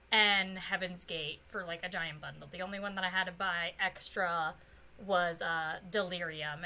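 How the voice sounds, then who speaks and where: A young woman chats her way through a game stream at home. Her tone is bright and forward, with a faint rough edge because her voice has not fully recovered yet. She rambles loosely and breaks into sudden excited squeals, over a light hiss of background noise. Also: medium pitch. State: slightly hoarse, voice still recovering. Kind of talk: casual let's-play chat.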